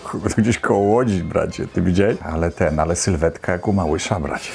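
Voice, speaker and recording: A man's voice: low voice, fairly quick, creaky. A man in his fifties giving casual, exclamatory, colloquial commentary as a host reacting to clips. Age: 50s. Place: small indoor home studio.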